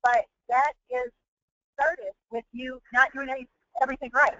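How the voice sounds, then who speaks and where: A woman's voice: high voice, fairly even intonation, moderate pace, fairly bright tone, no room sound. A woman hosting a webinar as a business coach, explaining and rephrasing her points as she goes. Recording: dull, lo-fi webinar audio.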